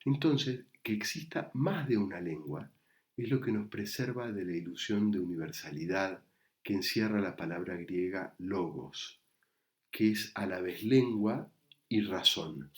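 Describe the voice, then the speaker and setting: A man with an Argentine Spanish accent, a psychoanalyst giving a prepared talk recorded remotely in a measured, reflective way. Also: low-pitched, lively intonation. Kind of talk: prepared lecture read to camera. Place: recorded remotely, not in the event hall.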